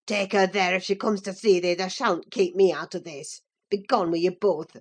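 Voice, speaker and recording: Woman playing a furious rough young Yorkshireman. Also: fairly low pitch, fairly even intonation, normal speed, pitched below the performer's own voice. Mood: enraged. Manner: barely articulate with rage. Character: furious rough young man, violent temper.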